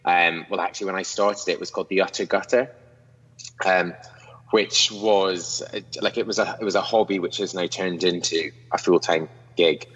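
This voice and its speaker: Speaking from his own studio over a video call, a young northeast Scot from near Inverness is a guest in a casual interview, self-deprecating and full of restarts. He has a deep, husky, slightly bright voice at normal speed with fairly even intonation. The lo-fi sound has a large-hall feel.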